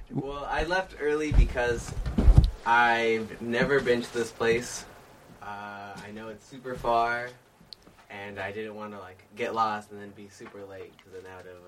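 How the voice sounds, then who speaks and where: With an ordinary speaking voice, a man talks at a fairly slow pace and medium pitch, with ordinary pitch variation and big swings in loudness. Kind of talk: casual chat.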